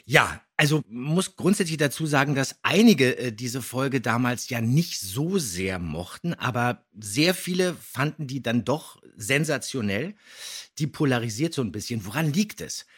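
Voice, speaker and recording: A man with a slightly husky voice, talking casually as a podcast co-host reviewing stories. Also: medium pitch, lively intonation, unhurried, a bit bright. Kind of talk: casual podcast review of an audio drama episode.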